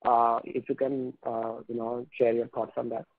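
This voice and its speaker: A man's voice: mid-range voice, little pitch movement, moderate pace, no echo. A man with an Indian accent, an analyst putting questions to management on an earnings call, polite, wordy and hesitant. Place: conference call by phone. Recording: dry, narrow tinny phone line.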